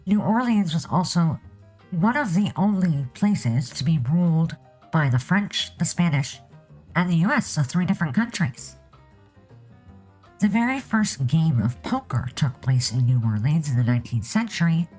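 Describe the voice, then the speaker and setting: A woman with a low, husky voice, worn thin by a cold she's been fighting. She talks in a chatty, animated way with a lot of swing in her pitch, narrating a home voiceover over soft music. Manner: chatty, upbeat sign-off. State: losing her voice, has a cold. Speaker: game build creator narrating a speed build.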